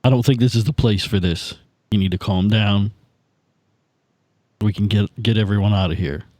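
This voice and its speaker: A man's voice: on the low side, normal speed, darkish tone, no room sound. A man chatting casually as a player in a tabletop game podcast. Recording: music behind.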